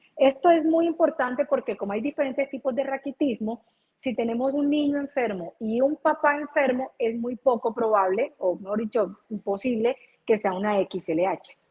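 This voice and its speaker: In a Colombian coastal accent, a woman with a high pitch talks at a moderate pace with lively intonation. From Colombian Caribbean coast. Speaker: pediatric nephrologist. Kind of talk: interview.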